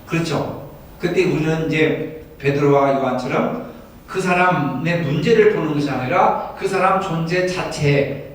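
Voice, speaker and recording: A male pastor from Daejeon leading a Bible study, asking his listeners for agreement again and again. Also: on the high side. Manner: asks listeners for agreement often. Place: church room. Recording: echoey room from far off, faint noise.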